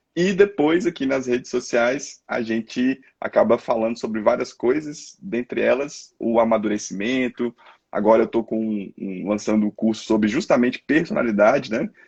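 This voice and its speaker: A man with a plain, everyday voice talks at medium pitch and a moderate pace, with lively intonation and hardly any pauses. The sound is dry and close with no echo. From Rio de Janeiro, Brazil. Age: 40s. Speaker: psychiatrist. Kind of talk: casual live chat. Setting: online livestream.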